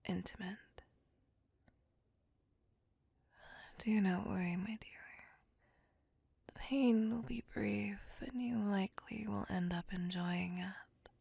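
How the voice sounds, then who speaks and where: A seductive, menacing female vampire, as a woman acts her out, whispering right at the ear in a slow, formal hush. Her breathy voice carries a gravelly fry, and the close recording is completely dry. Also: mid-range voice, no echo, heavily acted. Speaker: voice actor. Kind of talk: whispered ASMR roleplay.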